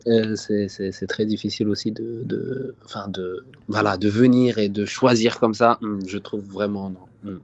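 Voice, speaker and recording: A man's voice: fairly low pitch, fairly even intonation, normal speed, creaky, hardly any pauses, lo-fi sound. A young man from Morocco, a guest in a casual live-stream interview, who hesitates and repeats his words as he answers. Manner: hesitant, repeats words, often says "sincèrement".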